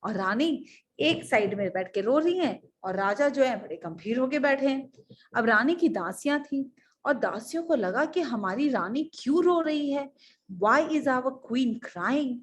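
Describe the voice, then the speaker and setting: Woman, children's storyteller, video call, high-pitched, very animated. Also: moderate pace, slight background noise. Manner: animated, mixing Hindi and English.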